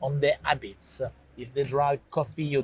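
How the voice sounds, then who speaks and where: Somewhat breathy male voice, fairly high in pitch. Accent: French. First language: French. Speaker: hotel executive. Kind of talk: interview. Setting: trade show. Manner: halting.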